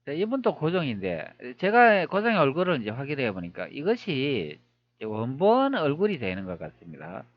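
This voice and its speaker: A man's voice: medium pitch, huge pitch swings, moderate pace, no echo, dull audio. A man talking viewers through old images on screen, wondering aloud with many rhetorical questions. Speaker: history video creator. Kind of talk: screen-recorded commentary.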